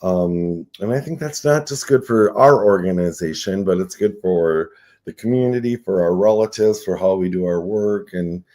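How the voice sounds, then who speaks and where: A man's voice: low voice, normal speed, mellow. A man in his sixties, a nonprofit CEO, speaking as a guest in a casual radio interview, reflective and earnest, often checking in with "right?". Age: 60s.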